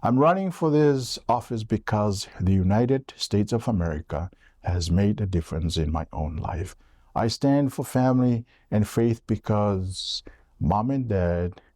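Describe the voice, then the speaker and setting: A man in his forties from Tonga, giving a measured, earnest prepared campaign statement as a political candidate. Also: on the low side, expressive, warm tone, dry recording, clean studio sound.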